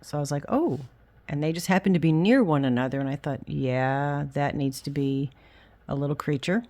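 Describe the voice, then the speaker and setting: Casting: female craft vlogger, deep register, whistling sibilants, candid and self-deprecating, loose chatty delivery. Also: steady tone, fairly quick, dark tone. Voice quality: whistling s through the teeth. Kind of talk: casual rambling show-and-tell.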